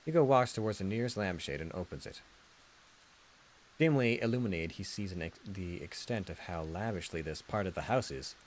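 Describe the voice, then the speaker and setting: A man reading a visual novel aloud as an expressive narrator. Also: deep voice, moderate pace, slight background noise. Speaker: host of a read-aloud channel. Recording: music behind the voice.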